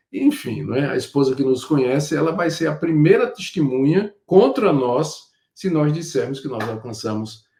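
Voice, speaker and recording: Talking at a fairly slow pace, a man with a fairly high pitch sounds somewhat breathy and uses lively intonation. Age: 70s. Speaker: pastor and Bible teacher. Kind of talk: live-stream Bible teaching. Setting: Instagram live stream. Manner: conversational, with hesitations.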